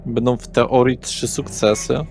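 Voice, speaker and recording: A man's voice: mid-range voice, little pitch movement, a little slow, vocal fry, darkish tone. A man running a tabletop horror role-playing session as game master, narrating scenes and talking through rules. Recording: background music under the voice. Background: music.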